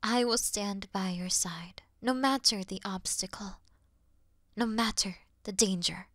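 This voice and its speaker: Slow, solemn demon queen, acted by a woman. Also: mid-range voice, no echo, studio quality. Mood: earnest, resolved. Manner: solemn, slow, earnest, breathy hushed delivery. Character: weary, noble demon queen, gentle and self-sacrificing. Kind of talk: dramatic fantasy audio roleplay acting.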